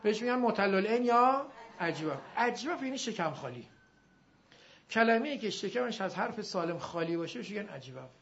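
A male teacher giving a classroom grammar lesson, drilling his students and drawing out example words slowly. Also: sits high, big pitch swings, fairly bright tone. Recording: dull lo-fi recording.

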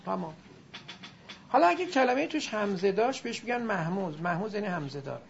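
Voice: mid-range voice, expressive, gravelly, highs cut off, slight background noise. A teacher giving a classroom lesson on Arabic grammar and pronunciation, demonstrating sounds aloud and quizzing the class.

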